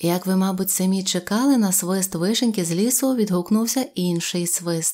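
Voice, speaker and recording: Her tone dark and mellow, a woman speaks at a medium pitch and fairly slow pace on a very clean recording with a silent background. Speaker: audiobook narrator. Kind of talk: audiobook reading aloud of a fairy tale. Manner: lively, expressive, shifting pace and tone for dialogue and suspense.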